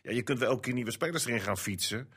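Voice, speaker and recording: A man's voice: medium pitch, animated, fast talker, fairly bright tone, slightly rough. A man in a casual football chat, thoughtfully weighing both sides with frequent restarts.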